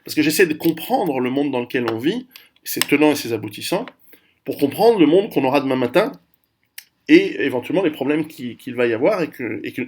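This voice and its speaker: Speaking fairly fast with an expressive, somewhat dark tone, this man has a mid-range voice. Of Italian heritage, he hosts his own video channel and talks loosely through a history lesson to camera, often restarting and using fillers.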